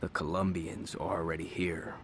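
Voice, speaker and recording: An actor playing a deferential but short-tempered Hispanic cartel underling in a video game, with a Spanish accent. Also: male voice, sits low, flat delivery, normal speed, gravelly, slight background noise. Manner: switches between English and Spanish.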